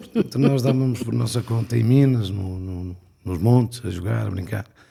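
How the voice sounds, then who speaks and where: This man talks at a moderate pace in a medium pitch, his dark, mellow tone somewhat breathy and his pitch varying in an ordinary way. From Portugal, Douro region. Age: 60s. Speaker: mayor. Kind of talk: podcast interview. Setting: podcast recording.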